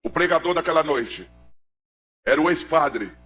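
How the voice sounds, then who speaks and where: A man's voice: a little high, animated, moderate pace. Intense Pernambucan preacher telling his testimony. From Pernambuco, Brazil. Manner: dramatic, swings from hushed to shouting. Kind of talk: emotional church testimony.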